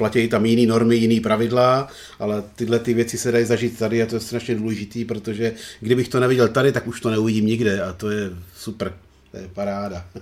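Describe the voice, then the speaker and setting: Speaking at a very fast pace, a man holds a medium pitch in a monotone, flat intonation. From eastern Bohemia, Czech Republic. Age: 60s. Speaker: tourist. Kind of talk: interview.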